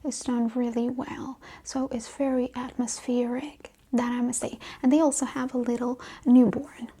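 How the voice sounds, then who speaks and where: Casting: female ASMR host, mellow breathy whisper, slightly high, hushed casual chat. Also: flat delivery, normal speed.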